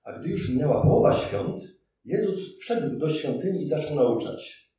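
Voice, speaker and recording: Man, scripture reading with short comments, measured declaiming delivery, mellow, far from mic, very echoey. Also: fairly high pitch, lively intonation. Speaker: scripture reader.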